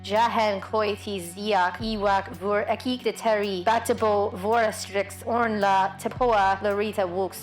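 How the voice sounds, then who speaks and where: A woman voicing a mother black dragon, speaking slowly and solemnly in a fantasy story. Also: mid-range voice, steady tone, faint music behind, lightly acted. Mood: solemn, commanding.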